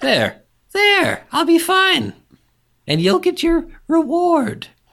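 This is a put-on character voice at an extremely high pitch. The pace is very slow.

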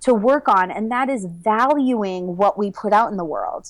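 With lively intonation and a fairly high pitch, a woman talks at a moderate pace in a normal speaking voice. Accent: American. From Minnesota, small rural town. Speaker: actress and film producer. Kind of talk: interview.

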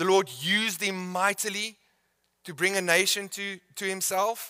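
Raised and projected, a man's high-pitched voice with a bright, sharp tone comes at a fairly slow pace. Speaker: pastor. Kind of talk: sermon. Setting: church. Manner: animated.

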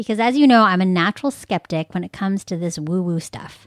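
A woman speaks in a normal speaking voice with lively intonation. The recording is very clean with a silent background and a dry, close sound with no echo. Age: 40s. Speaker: food blogger and cookbook author. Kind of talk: casual chat.

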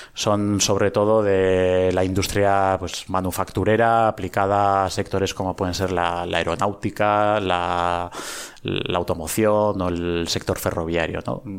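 On a very clean recording with a silent background, a man speaks at a fairly slow pace. His fairly low voice is monotone and flat. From Spain, Basque Country (Donostia). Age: 30s. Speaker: robotics engineer. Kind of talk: interview. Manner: halting, frequent repetitions.

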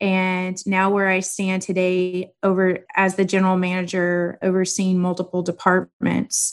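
A woman speaks with a Texan accent at medium pitch. Her intonation is monotone and flat, her loudness very even, on a very clean recording with a silent background. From South Texas (Corpus Christi). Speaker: company executive. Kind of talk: interview.

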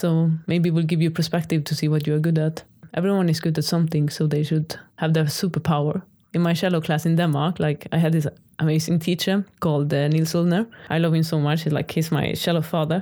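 The pace is very fast. The speaker has a Swedish accent. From Sweden. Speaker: podcast host, cellist and singer. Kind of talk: interview as guest, casual chat.

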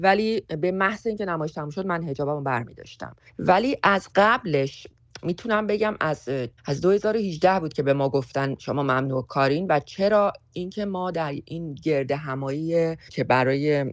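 A woman's fairly low-pitched voice with lively intonation at a moderate pace, in a normal speaking voice. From Iran. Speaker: theatre actress. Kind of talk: interview.

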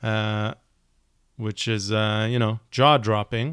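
The sound is dry and close with no echo as a man speaks at a fairly low pitch. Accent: Israeli. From Israel. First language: Hebrew. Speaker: podcast host. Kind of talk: casual chat. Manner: halting.

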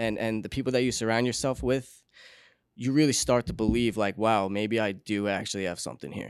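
A plain, everyday voice with an American accent moves at a fairly quick pace with ordinary pitch variation, in a very clean recording with a silent background. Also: man, medium pitch for a man. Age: 30s. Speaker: caricature artist. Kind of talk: casual chat.

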